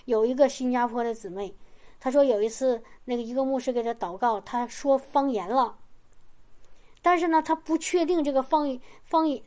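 A woman's voice: high voice, a little mellow. A woman preaching a sermon in an earnest, repetitive way, often asking the congregation if they understand.

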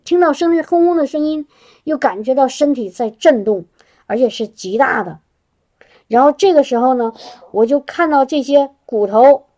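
High-voiced woman preaching a lively sermon. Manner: animated, exclamatory, laughs often, repeats words.

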